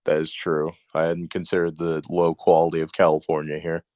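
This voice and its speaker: A man's voice: rumbling low, completely flat delivery, fairly quick, a little mellow, no echo. A man hosting casual comedic commentary with a dry, wry manner. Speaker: host.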